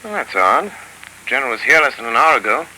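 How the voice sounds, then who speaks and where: An earnest young gentleman detective presses his case in a vintage radio thriller. He talks quickly in a bright, clear tone. The old broadcast carries a faint hiss. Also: medium pitch, big pitch swings, rough recording. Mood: urgent. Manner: earnest, urgent, persuasive. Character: confident young gentleman sleuth. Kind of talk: 1930s radio drama acting.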